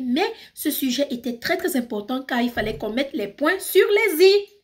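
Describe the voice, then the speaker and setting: Speaking at a fairly quick pace, a woman comes through in a strong Cameroonian accent. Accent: heavy Cameroonian French. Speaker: YouTuber. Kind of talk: vlog monologue. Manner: animated.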